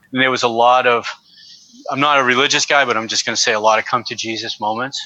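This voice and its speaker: His intonation is fairly even. The man delivers his words at a very fast clip. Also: medium pitch for a man. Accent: New England. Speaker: entrepreneur, stroke survivor. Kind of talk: interview answer.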